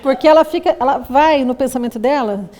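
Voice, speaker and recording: A Brazilian psychologist addresses an audience in a lively lecture. Her voice sits somewhat high for a woman. She slips into quoted voices to act out scenes and laughs through her asides. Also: a little fast. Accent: Brazilian Portuguese. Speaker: psychologist giving a talk.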